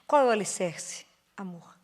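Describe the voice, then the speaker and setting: A woman leading a prayer group, speaking gently and often dropping to a soft, hushed delivery. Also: medium pitch, animated, moderate pace. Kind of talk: spoken reflection to a prayer group.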